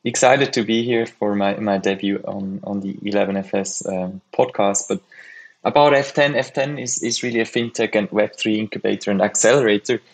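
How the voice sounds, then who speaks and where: A Swiss man who leads a startup incubator answers interview questions casually as a podcast guest. He speaks eagerly at a normal speed in a lowish, fairly even voice, often repeating words as he finds them.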